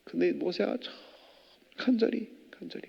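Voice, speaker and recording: A man preaching a sermon as pastor, animated and firing rhetorical questions at the congregation. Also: high-pitched, normal speed, vocal fry, husky. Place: church sanctuary. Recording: long church reverb, dull lo-fi.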